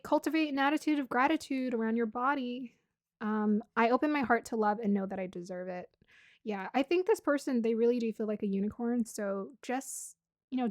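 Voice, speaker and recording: A woman doing a casual tarot reading to camera, chatty and bubbly, laughing often and a little hoarse from losing her voice. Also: on the high side, a little mellow, no echo, clean studio sound. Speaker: tarot reader.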